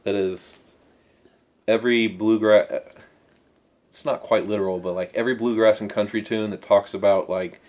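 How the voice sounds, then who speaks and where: A man co-hosting a music review podcast, chatting casually with quick jokey asides. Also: lowish voice, fairly even intonation, darkish tone. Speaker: podcast co-host. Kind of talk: casual chat.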